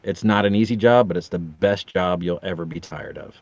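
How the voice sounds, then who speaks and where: A middle-aged man with a fairly low voice talks casually and anecdotally, moving between earnest and joking. The recording is a little dull and roomy, like a remote podcast guest in an untreated room. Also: brisk, creaky, darkish tone. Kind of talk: casual conversational storytelling. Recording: roomy, slightly dull lo-fi connection.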